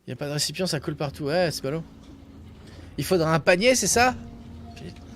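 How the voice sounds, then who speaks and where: A man's voice: a little high, expressive, fast, fairly bright tone. A man streaming a video game with casual commentary, muttering joking asides. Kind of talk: casual live gameplay commentary. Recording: noisy game sound behind. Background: video game audio.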